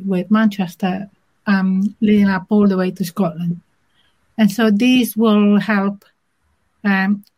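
A woman with an Italian accent, an interview guest who explains things in a measured, thoughtful way with many pauses. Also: medium pitch, a little mellow, low-quality recording. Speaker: interview guest, inclusion manager. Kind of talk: conversational interview.

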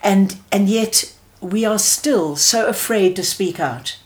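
A woman's voice: mid-range voice, takes it slowly. A middle-aged woman with a South African accent, answering an interview question in an earnest, passionate way with frequent restarts. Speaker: theatre producer.

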